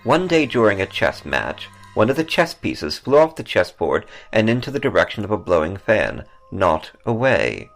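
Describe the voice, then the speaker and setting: A man's voice: on the low side, sing-song, moderate pace, vocal fry, hardly any pauses. A man hosting a podcast, reading scripted ghost stories and travel notes over music. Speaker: podcast host and author. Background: background music.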